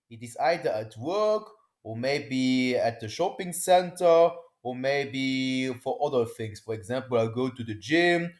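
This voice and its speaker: Chatting to camera in a casual vlog, a young Luxembourgish language vlogger with a matching accent keeps circling back over his words, padding gaps with "yeah" and "I mean". His voice sits mid-range with a darkish tone.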